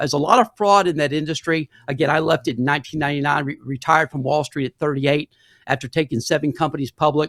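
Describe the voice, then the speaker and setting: Speaking very fast with an American accent, a man with a fairly high pitch and ordinary pitch variation is heard in a very clean recording with a silent background and a dry, close sound with no echo. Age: 60s. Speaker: financial research firm CEO, former Wall Street executive. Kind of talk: interview. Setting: podcast interview.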